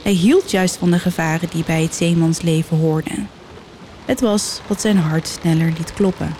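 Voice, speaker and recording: A woman narrating a legend as a storyteller, reading in a measured, dramatic way. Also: fairly low pitch, steady tone, warm tone, slight background noise. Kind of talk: scripted narration.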